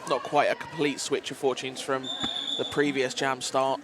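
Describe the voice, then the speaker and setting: An easygoing man trading quick banter as he co-calls roller derby on a headset mic. His voice sits at a middling pitch for a man. Arena noise is clearly audible behind him. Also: level tone, crowd noise. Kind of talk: live sports commentary.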